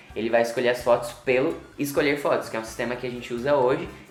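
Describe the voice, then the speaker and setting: Over music in the background, a man talks at a very fast pace in a medium-pitched, monotone voice with flat intonation and audible room echo. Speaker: wedding photographer. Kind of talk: live stream talk. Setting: Instagram live.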